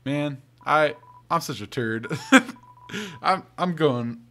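Man voicing a hesitant, excitable monster kid. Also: on the high side, extremely slow, heavily acted. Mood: nervous, awkward. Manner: hesitant, slangy, stammering. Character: excitable, clumsy monster kid, loyal and slangy. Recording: game music behind the voice.

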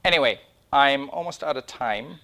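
A man's voice: medium pitch, moderate pace, pushed and bright. A middle-aged man presenting his own project in an informal talk, with conversational, self-interrupting phrasing. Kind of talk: informal conference-style talk with slides. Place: indoor meeting room or small lecture room.

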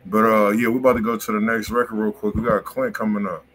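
A man with an American accent hosting a livestream, chatting in casual slang and pitching insistently, often repeating himself. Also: little pitch movement, fast talker, a bit bright, a little hiss or hum. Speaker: music review stream host. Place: indoor room on a livestream.

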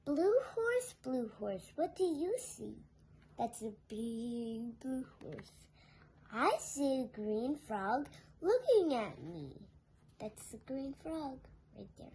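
A little girl reads a picture book aloud with big swoops in her voice. She takes her time, stressing repeated phrases in a singsong and dropping softer for asides. It is a home phone recording with faint background noise. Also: on the high side, very animated, slow, rough recording. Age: child. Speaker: young reader presenting a picture book. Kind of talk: read-aloud to young children with simple asides. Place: living room sofa at home. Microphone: phone held nearby.

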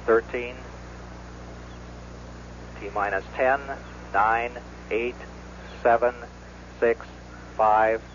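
A man giving live launch countdown commentary in measured, steady calls, heard over a crackly, lo-fi radio transmission. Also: mid-range voice. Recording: noisy lo-fi archival broadcast.

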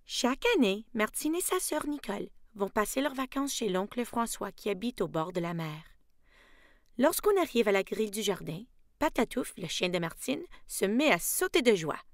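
A woman's voice: medium pitch, sing-song, brisk, no echo. A woman voice actor narrating sample readings recorded in a home studio.

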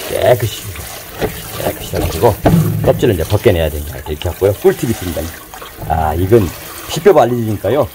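A man's voice: low voice, sing-song, fairly quick, noisy background. Folksy chuckling middle-aged man. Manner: folksy, chatty, repeats "like this" constantly, chuckles often. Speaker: host. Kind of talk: casual how-to talk on gardening and cooking. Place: home kitchen, earlier a vegetable field.

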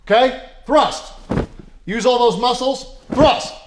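A man in his forties, a martial arts instructor, talking in a pompous, self-serious deadpan in a large indoor dojo. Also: extremely high pitch, takes it slowly, background noise. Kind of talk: deadpan mockumentary comedy.

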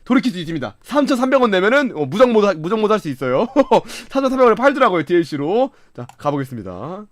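Excitable high-voiced streamer, close and dry. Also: male voice, fast talker, few pauses, no room sound. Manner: excitable, swings from mumbling to shouting and laughing. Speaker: gaming streamer. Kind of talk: casual game commentary.

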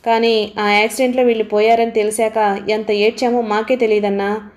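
A woman reading an audiobook voices a grief-stricken young male gang member who pleads and shouts through tears. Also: high-pitched, little pitch movement, normal speed, natural voice. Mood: tearful. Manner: pleading, tearful.

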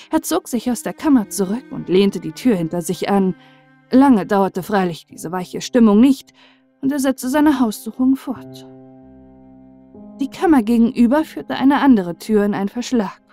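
A woman narrating a fairy tale as a bedtime audiobook, with measured, expressive storyteller delivery. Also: a little high.

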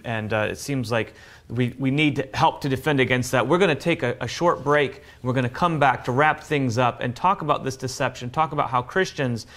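A man's voice: mid-range voice, fairly bright tone. Young man hosting a studio talk show. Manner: measured, transitions to a break. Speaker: co-host. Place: television studio.

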